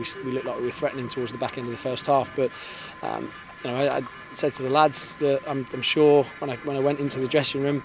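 A man in his thirties, a football head coach, giving an earnest post-match interview outdoors on a floodlit pitch into a handheld mic, often repeating words as he starts a sentence. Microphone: handheld reporter's mic held in front. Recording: outdoor stadium noise behind.

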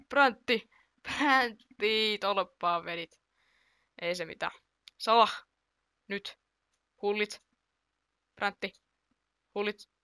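A woman chatting through her football video game match, excitable, reacting aloud to each play and laughing at her own mistakes. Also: on the low side, clean tone, no room sound, clean studio sound. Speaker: gaming YouTuber. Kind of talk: casual gameplay commentary.

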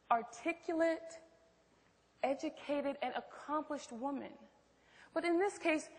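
A woman's voice: high voice, a little mellow, exaggerated voice. A woman acting in a stage play as a protective, outspoken best friend, blunt, probing and emphatic. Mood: earnest. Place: theatre stage. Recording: echoey theatre hall.

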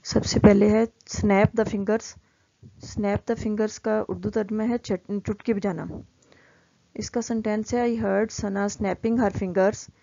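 A woman teaching vocabulary, explaining each word and reading the example sentences out very slowly and deliberately. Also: mid-range voice, vocal fry, dark tone, highs cut off.

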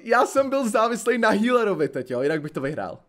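A man's voice: sits high, big pitch swings, a bit bright. A young man hosting a multiplayer gaming video, frantic and pleading, often laughing. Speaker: gaming channel host. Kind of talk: excited multiplayer gaming chat.

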